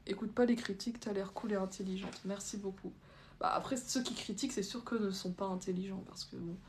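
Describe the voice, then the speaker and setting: A woman's voice: medium pitch, fairly even intonation, brisk, slight background noise. Casual young woman livestreaming. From France. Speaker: livestream host. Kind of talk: casual live chat, reading out and answering viewer comments.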